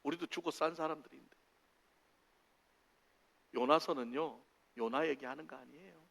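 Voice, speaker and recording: A man preaching a sermon in a church, acting out voices with big swings in pitch and loudness. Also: moderate pace, gravelly. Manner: animated, acts out dialogue with big pitch swings. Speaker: pastor. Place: church sanctuary. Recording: long hall reverb.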